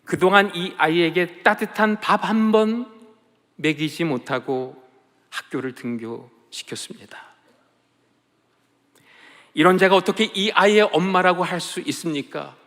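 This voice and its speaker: A man voicing his frail, sick wife as she sobs a humble prayer, softly and brokenly. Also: a little high, a little slow, voice pushed up. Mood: sobbing humility. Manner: soft, broken and sobbing. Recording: long hall reverb.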